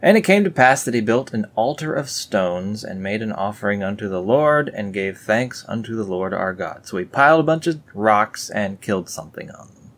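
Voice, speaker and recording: A man reading a religious text aloud and breaking off for dry, sarcastic comments in a casual tone. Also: fairly low pitch. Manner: sarcastic, dry asides after solemn read-aloud passages. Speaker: video host reading scripture aloud. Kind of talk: casual read-along with sarcastic asides.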